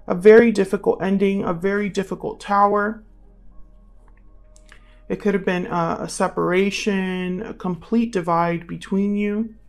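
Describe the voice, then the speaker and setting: A woman giving a casual tarot reading, thinking aloud and speaking straight to the listener in a conversational way, with gravelly vocal fry. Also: mid-range voice, fairly even intonation, unhurried, faint music behind. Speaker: tarot reader, channel host.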